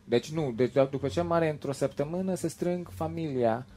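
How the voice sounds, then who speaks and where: Guy in his 30s, kinda high voice, animated storyteller. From Ghana. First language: not Romanian. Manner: animated storytelling, searching for words. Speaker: street musician guest. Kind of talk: casual chat.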